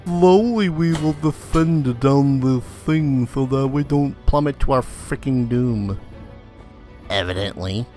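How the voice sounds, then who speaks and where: A man's voice: mid-range voice, takes it slowly, mellow, soft background music. A man giving casual let's play commentary, musing aloud in a dry, mildly irreverent way. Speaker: gaming video host.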